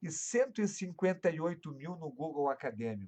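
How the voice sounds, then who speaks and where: Very wide pitch swings at a fairly slow pace. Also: man. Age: 60s. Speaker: doctor. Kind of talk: live talk on health. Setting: live stream.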